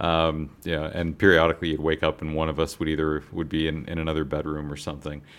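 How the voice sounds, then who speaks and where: A man's very deep, low voice at a very fast pace, monotone and flat, on a very clean recording with a silent background. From Canada, Toronto. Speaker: singer-songwriter. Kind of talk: casual interview. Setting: radio studio.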